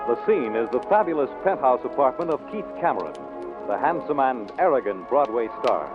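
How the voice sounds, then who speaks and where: A man's voice: medium pitch, very animated, fairly quick. Male old-time radio announcer over music. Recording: muffled old radio recording.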